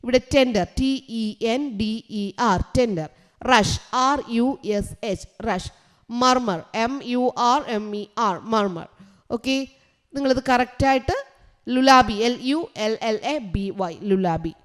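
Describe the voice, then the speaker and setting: A woman's voice: on the high side, takes it slowly. A woman tutor with a Kerala accent, walking children through exam answers and quizzing them, explaining each English phrase in Malayalam. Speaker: online tuition teacher.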